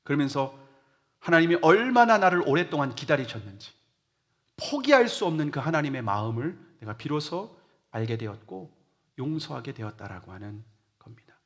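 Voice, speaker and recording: A middle-aged male pastor giving a Sunday sermon in a church, telling a personal testimony earnestly and moving between loud emphasis and hushed near-whispers. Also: a little high, big pitch swings, normal speed. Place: church sanctuary.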